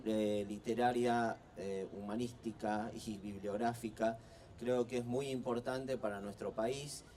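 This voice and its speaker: A man's voice: medium pitch, a little mellow, slight background noise. Earnest man, heard from afar. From Humahuaca, Jujuy, northwest Argentina. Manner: earnest, slow, halting with many fillers and restarts. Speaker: writer and guest speaker. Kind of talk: public talk at a book fair. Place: outdoor plaza at a book fair. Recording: distant outdoor recording.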